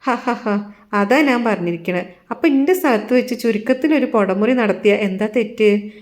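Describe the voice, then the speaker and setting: A woman's voice: fairly high pitch, moderate pace, close to an everyday voice. A woman doing a boastful old village matchmaker. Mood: boasting.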